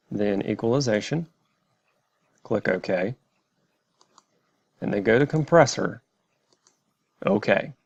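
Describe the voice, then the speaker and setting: Male software tutorial host, methodical and plain, slightly deep, dull home recording. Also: creaky, no room sound. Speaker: tutorial presenter. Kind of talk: step-by-step software tutorial narration.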